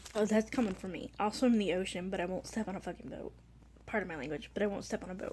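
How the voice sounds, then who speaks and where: A quiet woman's voice at medium pitch, with vocal fry, a very fast pace and long, frequent pauses. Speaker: vlogger. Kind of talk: casual vlog chat. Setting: home studio at night. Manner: quiet, hushed.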